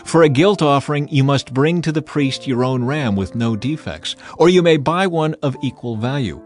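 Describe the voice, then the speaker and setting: A man narrating scripture as a dramatized audio reading, with a solemn, measured and emphatic manner. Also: mid-range voice. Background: background music.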